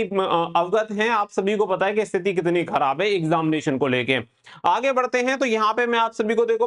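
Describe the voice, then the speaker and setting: A man giving an informal, advisory exam update as a coaching host, mixing in English words. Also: high-pitched.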